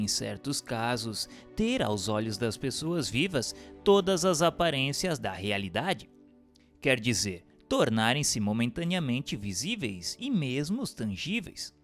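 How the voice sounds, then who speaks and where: A Brazilian man delivers scripted narration in a formal, instructive manner. His middle-register voice moves through wide, lively intonation while instrumental music plays behind him. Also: mid-range voice. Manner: formal, measured, didactic. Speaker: narrator reading a religious treatise. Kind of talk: scripted audiobook narration for radio.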